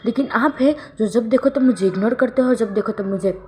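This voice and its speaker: Woman doing a flustered young man, stammering, warm high-ish voice, fan fiction story. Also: brisk, lightly acted. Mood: pouting.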